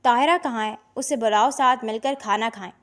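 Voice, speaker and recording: A woman's voice: fairly high pitch, natural voice. A woman voicing a stern, anguished middle-aged father who turns harsh and sarcastic in an audio story. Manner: pleading then harsh, sarcastic.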